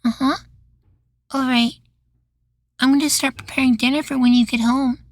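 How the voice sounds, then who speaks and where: A man voicing a cheerful, naive young boywife in an intimate ASMR roleplay, soft, doting and chatty. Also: extremely high pitch, steady tone, normal speed, dry recording. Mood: affectionate.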